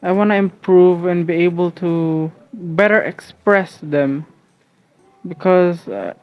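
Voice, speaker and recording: A man's voice: high-pitched, takes it slowly, phone-quality sound. A young man from the Philippines whose first language is Filipino, rambling casually and hesitantly at home with many restarts and fillers. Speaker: vlogger.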